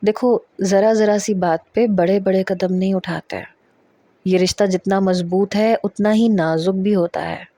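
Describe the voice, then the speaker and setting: A woman's voice: mid-range voice, fairly even intonation, warm tone, no room sound, natural voice. A woman voicing a stern middle-aged father-in-law who pleads urgently in a storybook reading. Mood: pleading.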